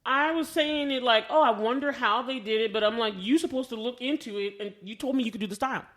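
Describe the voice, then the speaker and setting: She talks fast in a voice on the high side with a fairly bright tone. As an American podcast co-host, she keeps things casual, spinning lively personal stories and playing out conversations along the way.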